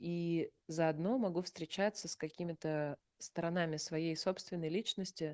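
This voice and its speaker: Against a quiet background, a woman talks in a very deep, low pitch with a dark, mellow tone and fairly even intonation, the sound dry and close with no echo. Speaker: singer and vocal teacher. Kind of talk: interview conversation.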